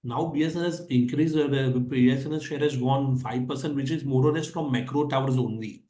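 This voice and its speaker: Echoey, mellow Indian-accented male executive. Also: medium pitch, fairly even intonation, fairly quick. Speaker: company executive. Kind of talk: answering analyst questions on an earnings call. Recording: echoey conference call audio.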